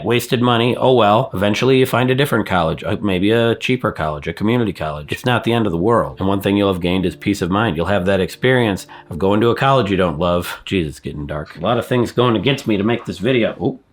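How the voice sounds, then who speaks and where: A man's voice: fairly low pitch, quick pace, few pauses. A man in his forties, getting over a cold, giving frank, self-deprecating motivational advice in a casual vlog. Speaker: YouTuber.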